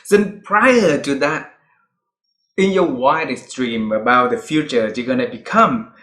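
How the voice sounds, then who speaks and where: A man's voice: medium pitch, unhurried, fairly bright tone. A man interviewing a guest, who restarts his questions and affirms what the guest says.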